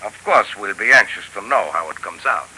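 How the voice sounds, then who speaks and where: An actor playing a scheming professor who is a cold, calculating hypnotist villain, in a 1930s radio drama. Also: male voice, fairly low pitch, expressive, normal speed, sharp tone, rough recording. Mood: suave. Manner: smooth, coldly calculating. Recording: old radio broadcast, faint hiss.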